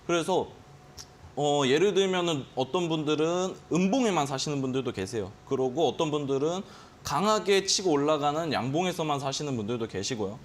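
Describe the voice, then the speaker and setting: In a broadcast studio with slight background noise, a stock trading instructor speaks fairly quickly in an animated, fairly high voice. Teaching day trading on a finance show, he explains at length and acts out his gut reactions with quoted exclamations.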